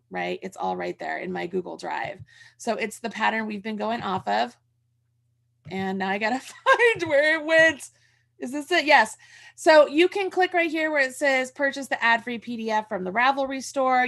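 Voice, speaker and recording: A woman's voice: a little high, vocal fry, fairly bright tone. A middle-aged woman hosting a casual craft livestream over a video call, chatty and rambling as she thinks aloud. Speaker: host of a crochet tutorial livestream. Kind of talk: casual livestream chat and instruction. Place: room at home. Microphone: video call from a desk.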